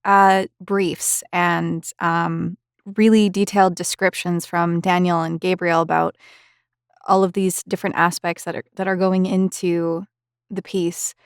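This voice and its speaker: A woman's voice: lowish voice, level tone, unhurried, clear, resonant tone, no echo, clean studio sound. A woman interviewing a guest in a conversational way.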